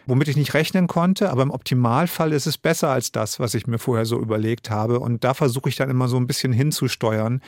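A German man in his fifties, a radio drama director and author, answering interview questions thoughtfully with frequent pauses and restarts. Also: mid-range voice, no room sound, clean studio sound. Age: 50s. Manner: thoughtful, many hesitations and restarts.

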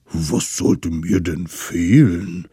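A man voicing a big, good-natured mammoth who talks slowly and sounds bewildered. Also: sits low, steady tone, warm tone, husky, dry recording, clean studio sound, pitched below the performer's own voice, exaggerated voice. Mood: puzzled, slow.

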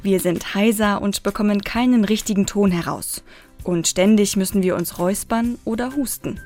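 A woman giving calm scripted narration for a children's knowledge show. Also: medium pitch, normal speed, soft background music.

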